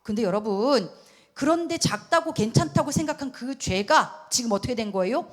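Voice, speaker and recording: A middle-aged woman pastor preaching a sermon in an animated way, acting out quoted voices and laughing often. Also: fairly high pitch, moderate pace.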